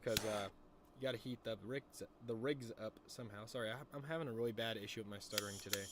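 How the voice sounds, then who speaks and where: A man's voice: fairly low pitch, fast, very noisy. A young man with a lisp and a stutter, chatting casually and rambling in a loose, jokey way with plenty of swearing as he talks to his viewers. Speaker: streamer. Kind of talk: casual stoner vlog chat.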